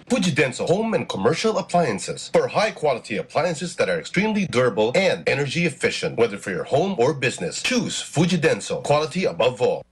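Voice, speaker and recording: A man's voice: medium pitch, a little hiss or hum. A man reading scripted sponsor announcements as a commercial announcer.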